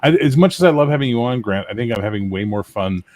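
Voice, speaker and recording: A man's voice: mid-range voice, fast talker, a little mellow, no echo. A man hosting a live stream, chatting with guests in a friendly, joking way. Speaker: host. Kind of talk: casual live-stream chat.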